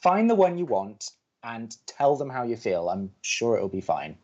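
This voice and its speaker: An actor playing an earnest, flustered young campus radio co-host who talks with fretful, exasperated emphasis. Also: male voice, mid-range voice, very animated, a little slow, dull audio, noisy background. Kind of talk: bantering audio drama dialogue.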